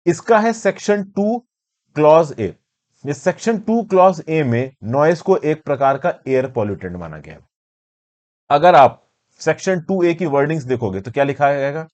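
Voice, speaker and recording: A man with an Indian accent speaks at normal speed in a voice on the high side, a little mellow, with lively intonation. He's an educator giving an explanatory current affairs lecture to exam students, teacherly and conversational, mixing in English terms and posing questions as he goes.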